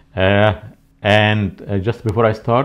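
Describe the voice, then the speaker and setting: Over a quiet background, a man with an Arabic accent speaks at a fairly low pitch with fairly even intonation. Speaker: Bible teacher. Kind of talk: bible study talk. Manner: halting, many fillers.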